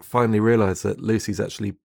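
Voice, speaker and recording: Low, slightly gravelly male football journalist. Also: steady tone, fast talker, a little mellow. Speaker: football journalist, podcast guest. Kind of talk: casual football discussion.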